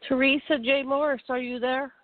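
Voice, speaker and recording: Hosting an online talk show, a woman from the northern United States chats with a guest, asking questions in an encouraging way. Her voice sits high and her delivery is flat at a normal pace. The audio is distant and phone-like, like a call, with no room sound.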